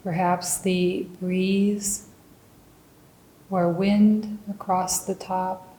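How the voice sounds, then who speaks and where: A woman guides a meditation in a mellow, relaxed voice. She speaks very slowly and gently, placing short, deliberate phrases between long pauses. The sound is roomy, with audible echo around her words. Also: lowish voice. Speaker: meditation teacher.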